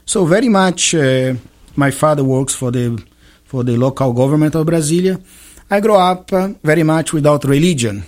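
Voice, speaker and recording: A man, a Catholic priest from Brazil with a Brazilian accent, telling his life story in an interview with many pauses and joking asides. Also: a little high, a little mellow. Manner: chatty, joking, frequent hesitations.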